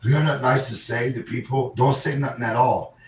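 A man's voice: mid-range voice, fairly even intonation, brisk. Man rambling from across a roomy hotel room. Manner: rambling, protective, repeats himself. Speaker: partner on the stream. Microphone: camera mic from across the room. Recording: roomy, distant, faint noise.

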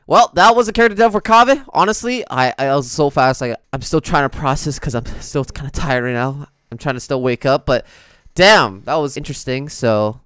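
A man's voice: medium pitch, a little fast, fairly bright tone, clean tone, no room sound, clean studio sound. A young man hosting a gaming reaction video, chatting casually in an informal, slangy way. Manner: informal, slangy, easily amused.

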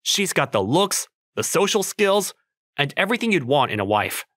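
A man's voice: a little high, moderate pace, no room sound, studio quality. A man voicing a flustered, skeptical young office worker in a manga dub, sounding incredulous and given to inner narration. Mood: wistful musing. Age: young adult. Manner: exasperated, incredulous, animated.

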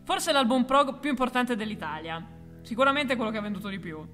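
A woman co-hosting a music history video, delivering a scripted explainer with deadpan, ironic asides. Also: on the high side, fairly quick, big-room sound. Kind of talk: scripted explainer with playful banter.

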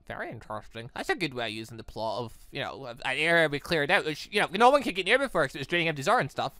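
Young woman, game streamer, bright and very animated, dry close mic over faint music. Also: deep voice, rapid-fire, no echo. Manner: chatty, animated, reads character lines in her own voice. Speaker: let's play streamer. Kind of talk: reading a visual novel aloud and reacting.

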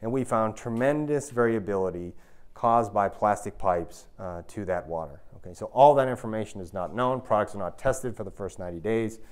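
A man's voice: lowish voice, a little fast. An American man in his thirties lecturing to an audience in an emphatic, explanatory manner, often checking in with the listeners. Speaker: university researcher giving a public talk. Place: indoor lecture room with an audience.

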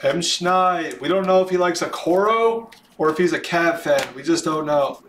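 A man hosting a live sports card break, announcing names in an excitable, drawn-out way, his voice starting to wear. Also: fairly high pitch. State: voice starting to give out. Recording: roomy echo, background noise.

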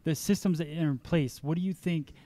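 A young male interviewer with a fairly high voice asks casual questions into a desk microphone. He keeps agreeing and affirming as his guest talks. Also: dark tone. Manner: agreeable, says lots of quick affirmations. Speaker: interviewer and salon owner. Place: hotel meeting room at a trade show. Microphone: desk mic on stand.

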